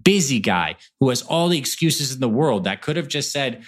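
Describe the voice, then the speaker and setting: A man's voice: medium pitch, sing-song, normal speed. A man hosting a podcast interview, speaking in an upbeat, encouraging way. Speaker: podcast host. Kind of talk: interview with introduction.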